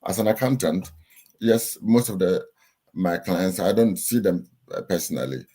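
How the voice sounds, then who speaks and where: A middle-aged Ghanaian man with a low, mellow voice answers interview questions. He speaks in a steady, instructive way and pauses often with "um" and "uh". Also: husky. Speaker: guest, chartered accountant and lecturer.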